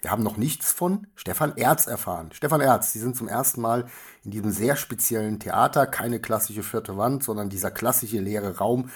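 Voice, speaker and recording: Man, husky, slightly breathy voice, formal interviewer, measured questions, theater stage. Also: fairly low pitch.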